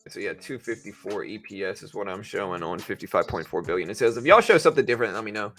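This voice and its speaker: A man's voice: lowish voice, lively intonation, quick pace, fairly bright tone. A man hosting a casual market livestream, chatting informally to viewers and thinking aloud as he goes. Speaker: livestream host, stock trader. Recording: music playing in the background. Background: music.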